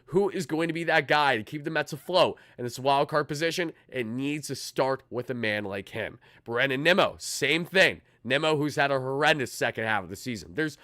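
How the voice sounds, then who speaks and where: A young man with a raspy, hoarse voice from shouting, hosting a pregame live stream and talking fast and fired up as a fan. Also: medium pitch, dry recording, studio quality. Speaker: sports channel host.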